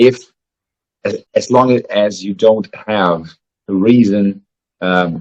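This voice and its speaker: A man's fairly low pitch with ordinary variation. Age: 40s. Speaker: firearms instructor. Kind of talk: interview. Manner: halting, many fillers.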